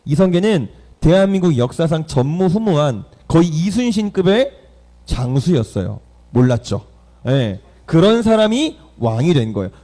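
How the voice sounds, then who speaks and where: A man preaching to teenagers in a lively way, putting questions to his listeners. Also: high-pitched. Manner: lively, quizzes the audience. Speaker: youth pastor. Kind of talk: sermon to teenagers. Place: church hall.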